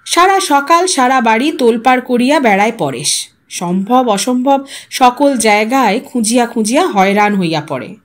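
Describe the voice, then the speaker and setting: A woman reading a literary short story aloud in an expressive storytelling style. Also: a little high, moderate pace. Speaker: audio story narrator.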